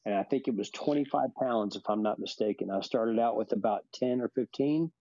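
A man's voice: on the low side, a little fast, mellow, no room sound, lo-fi sound. A man in his fifties chatting on a podcast in an assertive way, often repeating short affirmations. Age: 50s. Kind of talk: casual chat.

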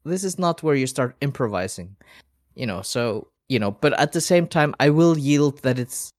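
A man's voice: medium pitch, expressive, moderate pace, no room sound, clean studio sound. A man co-hosting a casual podcast chat, rambling and hesitant with frequent restarts. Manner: rambling, hesitant, many fillers and restarts, laughs often.

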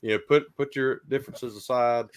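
A man's voice: mid-range voice, steady tone, fairly quick. A man with an American accent hosting a casual podcast chat. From United States. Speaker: podcast host.

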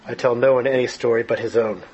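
A man voicing a huge, wise lion while reading a story aloud, speaking slowly and gravely in a measured way. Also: medium pitch, fairly even intonation, darkish tone, natural voice, poor audio. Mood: solemn. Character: huge deep-voiced lion, calm, solemn and wise.

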